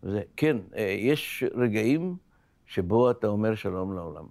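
A man's voice: fairly low pitch, animated, darkish tone, dry recording. An older man, a podcast interview guest, telling his life story in an emotional, vivid way, often repeating words as he speaks.

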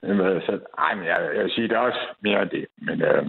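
A man's voice: sits low, gravelly, husky. A man calling in to a radio show, hesitant and self-deprecating, with many fillers. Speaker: caller. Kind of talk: call-in radio chat. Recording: tinny phone line.

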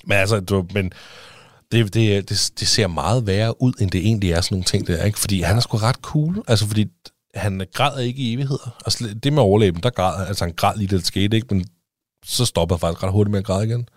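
A man's voice: fairly low pitch, no room sound, studio quality. A man with a Danish accent, a father talking as a podcast guest in casual chat, rambling with many restarts and fillers.

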